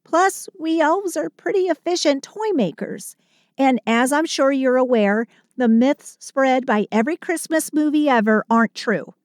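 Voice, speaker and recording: A woman plays a sweet, sulky female Christmas elf in an intimate audio roleplay. Her delivery is very slow and close, with a dry sound free of room. She complains with theatrical sarcasm while staying affectionate toward her partner. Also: sits high, expressive, dry recording. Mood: matter-of-fact, fond. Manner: dramatic, sardonic, affectionate venting. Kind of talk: scripted audio roleplay monologue.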